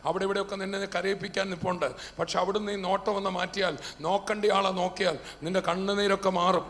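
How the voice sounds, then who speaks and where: Fervent high-voiced preacher in a hall. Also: male voice, level tone, fast talker, a bit bright. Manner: fervent, rising and dropping in volume. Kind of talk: sermon. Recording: hall reverb with faint background noise.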